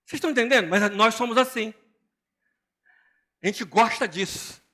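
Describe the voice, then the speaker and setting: An older man, a pastor with a Brazilian Portuguese accent, preaching an animated, joking sermon and mimicking other people's voices. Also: sits high, normal speed.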